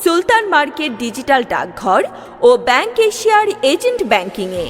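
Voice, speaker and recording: Woman with a high swooping voice calling out a loudspeaker ad, big reverb. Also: fairly quick. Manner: lively declamatory announcing. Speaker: announcer. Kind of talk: loudspeaker street announcement ad. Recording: long reverb with music bed. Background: music.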